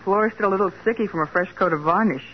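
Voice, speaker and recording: A woman's voice: mid-range voice, fast, lightly acted. Old noisy radio, woman acting a wry young detective's assistant, questioning, curious, vintage drama style. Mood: curious, puzzled. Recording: muffled, noisy 1940s radio recording.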